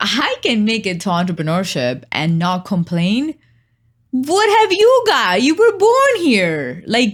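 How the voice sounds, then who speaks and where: The recording is spotless, and the background is completely silent. A woman talks very slowly. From India. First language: not English (Indian language). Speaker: doctor and entrepreneur. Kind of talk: podcast interview.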